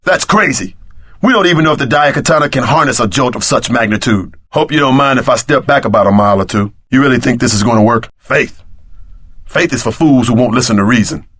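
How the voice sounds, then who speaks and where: A man playing a brash, loyal tough-guy sidekick in an action video game, with slangy, streetwise, expressive delivery. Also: medium pitch, a little fast, husky, no room sound, studio quality. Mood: skeptical, wary.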